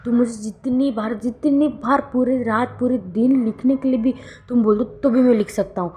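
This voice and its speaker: A woman voicing a devoted young man gently pleading for his partner's forgiveness in a fan fiction story. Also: on the high side, moderate pace, breathy edge.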